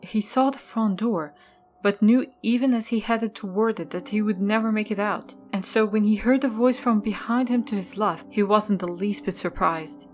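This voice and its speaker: A woman narrator reads scripted story prose for an audio drama. Her voice sits at a medium pitch, with faint music playing underneath. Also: moderate pace.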